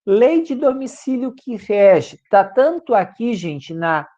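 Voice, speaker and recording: Through a muffled recording comes a high, dark-toned male voice, slow yet very animated. He is a law professor with a Brazilian Portuguese accent giving a classroom lecture, checking in almost point by point with "tá, gente?"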